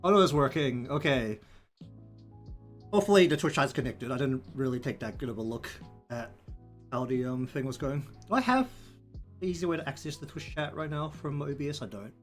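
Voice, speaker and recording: Kiwi guy w a thick nz accent, mid pitched voice, rambly stream chat, music playing behind him. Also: lively intonation, a little fast. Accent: broad New Zealand. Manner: rambling, thinking aloud. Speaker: live streamer. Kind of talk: casual livestream chat while working. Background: background music.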